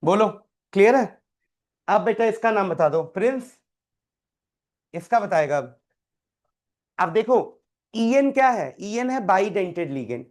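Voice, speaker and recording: A man's voice: high-pitched, expressive, measured pace, pauses often. Male teacher quizzing students. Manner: quizzes students by name, repeats key terms. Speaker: chemistry teacher. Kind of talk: live classroom tutoring.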